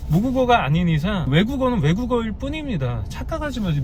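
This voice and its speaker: A man with a high-pitched voice talks in an animated tone, his pitch swinging very widely, against noticeable background noise. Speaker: YouTuber. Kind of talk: casual vlog monologue.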